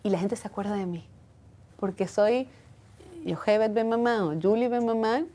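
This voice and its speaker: A woman talks as an interview guest, earnest and reflective. Her voice is warm and mellow, and her pitch sits in the middle range. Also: moderate pace. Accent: foreign accent when speaking Hebrew. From from outside Israel.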